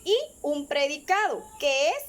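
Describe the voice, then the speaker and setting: A woman's voice: sits high, slight background noise. A woman teaching a grammar lesson, explaining patiently step by step and often checking in with her listeners. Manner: frequent filler pauses.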